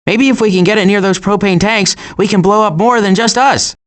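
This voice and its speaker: An actor voicing a cautious, worrying turtle in an animated video game, with a dry, hesitant and wry delivery. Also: male voice, high-pitched, a little fast. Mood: anxious, hesitant. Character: cautious, worrying male cartoon turtle, dryly sarcastic.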